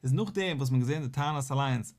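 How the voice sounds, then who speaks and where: A man's voice: mid-range voice, rapid-fire, darkish tone. A man, a rabbi, giving a daily Talmud lesson, posing questions and answering them in a study singsong.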